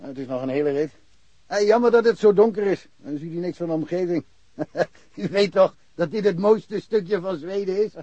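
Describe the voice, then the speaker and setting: Chatty, mellow country police inspector. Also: male voice, sits high, moderate pace, dry recording. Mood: chatty, impressed. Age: middle-aged. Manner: talkative, colloquial, self-deprecating. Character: chatty, folksy provincial Swedish police inspector, long-serving local. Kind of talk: naturalistic Dutch radio drama acting. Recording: muffled, noisy radio drama recording.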